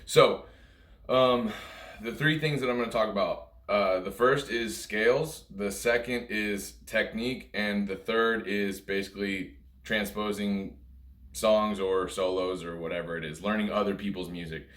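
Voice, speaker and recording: A man's voice: lowish voice, fairly even intonation, a little slow, a bit bright. A man giving an informal music lesson, explaining things step by step in simple, conversational terms, recorded indoors. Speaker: music teacher and video host. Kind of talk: informal instructional talk. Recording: roomy, echoey room sound.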